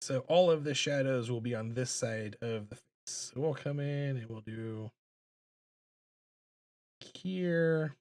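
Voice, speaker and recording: A man hosts a relaxed drawing livestream at an unhurried pace. He thinks out loud and mumbles a little, with a self-deprecating manner. His pitch sits in an ordinary male range. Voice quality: deep voice. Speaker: livestreaming illustrator and host. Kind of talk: casual livestream chat while drawing. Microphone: streaming microphone.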